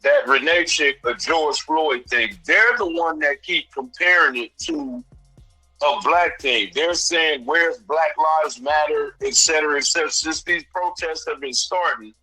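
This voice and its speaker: Bright, emphatic male radio show caller. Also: fairly high pitch, measured pace, breathy edge, dry recording, soft background music, poor audio. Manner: emphatic, argumentative, street slang. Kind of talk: opinionated call-in debate.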